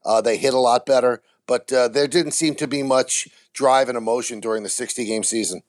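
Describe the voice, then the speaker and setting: Man, mid-pitched voice, interview guest, candid, blunt, vivid comparisons. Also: brisk. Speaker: baseball TV play-by-play announcer, guest.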